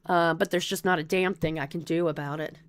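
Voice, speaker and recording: A woman's voice: fairly low pitch, fairly even intonation, a little fast, smooth. A woman with a Texan drawl hosting a livestream, chatting casually and rambling with lots of swearing. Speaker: streamer host.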